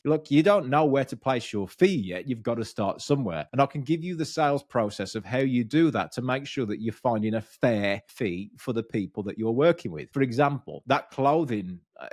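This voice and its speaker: A man in his thirties with a Birmingham accent, giving blunt, energetic business coaching straight to camera and swearing freely. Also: mid-range voice, no room sound, clean studio sound. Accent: Birmingham English. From Birmingham, England. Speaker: business coach and podcast host. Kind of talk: direct-to-camera coaching talk. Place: small dark studio room with bookshelves. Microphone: studio mic on boom arm.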